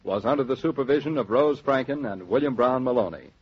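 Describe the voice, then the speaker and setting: A man announcing as a radio host, reading a sponsor message in smooth, polished delivery. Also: medium pitch, expressive, brisk, heavy background noise. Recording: dull 1940s radio transcription with music.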